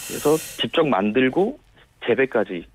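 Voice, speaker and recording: A man's voice: medium pitch, sing-song, normal speed, a little hiss or hum. A man, answering interview questions politely as a phone-in guest. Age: late 30s. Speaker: phone-in guest, small farm owner. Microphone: telephone call. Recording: narrow, tinny phone line.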